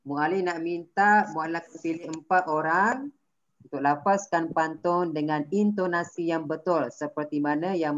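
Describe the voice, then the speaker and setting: A woman's voice: deep voice, highs cut off. A woman with a Malaysian accent teaching young pupils in an online class, patiently prompting and correcting them as they read aloud. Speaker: primary school teacher.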